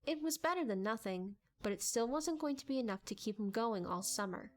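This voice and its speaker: Female narrator for dramatic storytelling: higher register, very animated, expressive. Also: fairly quick.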